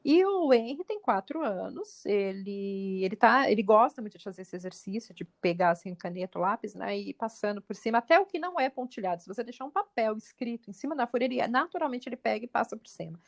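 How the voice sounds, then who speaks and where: Fast, high-voiced Brazilian woman storyteller. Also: vocal fry. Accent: Brazilian Portuguese. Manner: animated, jumps pitch when quoting others. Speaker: podcast co-host. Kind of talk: casual storytelling chat.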